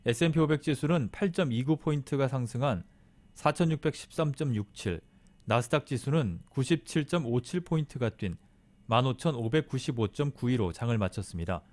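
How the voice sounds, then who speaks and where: Mid-pitched male news anchor. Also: expressive, brisk, a little mellow. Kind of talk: scripted financial news reading.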